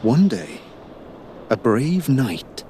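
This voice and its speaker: A man playing a silky, sinister storyteller, narrating a hypnotic dark fairy tale with theatrical, lingering words. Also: mid-range voice, very animated, extremely slow, slight background noise. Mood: hushed, ominous. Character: sinister, silky storyteller lulling a traveler to sleep. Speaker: bedtime storyteller.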